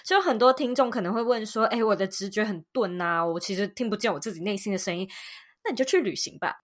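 A woman's voice: mid-range voice, quick pace. A woman with a Taiwanese Mandarin accent hosting a podcast, talking in a reflective, encouraging way to listeners. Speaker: podcast host. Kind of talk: casual interview chat.

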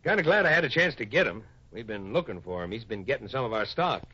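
An actor playing a plain-spoken, capable American cowboy hero in a 1950s radio Western, with folksy, polite speech. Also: male voice, mid-range voice, very animated, fast talker, pushed and bright, husky, muffled recording, heavily acted. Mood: easygoing, folksy. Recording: noisy, band-limited old radio recording.

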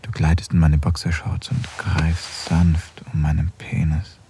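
An actor playing an affectionate married man in an intimate audio drama, speaking softly and close to a whisper. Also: a bass voice, monotone, unhurried, a little hiss or hum. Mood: tender. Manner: soft, intimate, often near a whisper. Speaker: husband in an erotic audio drama.

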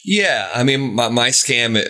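A man's voice: mid-range voice, lively intonation, slow, pushed and bright. A man telling a story in casual podcast chat, rambling with many fillers and repeats.

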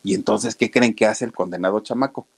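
A man's voice: lowish voice, fairly quick, slightly rough. A man with a Mexican accent telling a story to viewers in a chatty, folksy way, talking straight to his listeners. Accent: Mexican Spanish.

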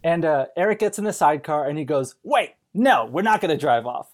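Animated man, swinging pitch, chatting about films. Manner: halting, with false starts and self-corrections; animated, laughing often while talking. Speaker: podcast guest. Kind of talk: casual comic film discussion.

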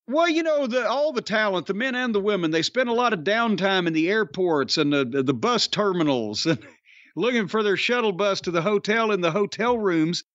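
High-voiced, sarcastic older man. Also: lively intonation, moderate pace, a bit bright, no room sound. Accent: Southern American. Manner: profane, rambling, sarcastic. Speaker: podcast host. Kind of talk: casual chat and ad read. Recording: dry, slightly dull audio.

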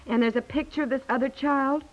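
Actress as a fussy, high-voiced 1950s radio wife. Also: female voice, fairly even intonation, fairly quick, lightly acted. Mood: flustered, guilty. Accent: American. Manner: rambling, flustered, self-correcting. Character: fussy, chatty, gently placating wife and mother. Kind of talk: 1950s American radio comedy acting. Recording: muffled 1950s radio broadcast recording.

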